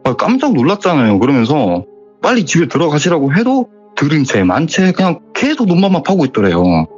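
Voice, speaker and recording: A man casually retelling a viewer's horror story in a chatty, animated way, with dramatic emphasis. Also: fairly high pitch, fairly quick, breathy edge, muffled recording, faint music behind.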